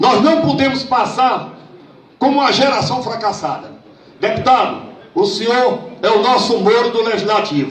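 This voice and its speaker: Amid noticeable background noise and audible room echo, a man with extremely high pitch speaks in an animated tone at a fairly slow pace, with lively intonation and very even loudness. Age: 60s. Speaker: retired army officer and businessman. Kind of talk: public speech at political event.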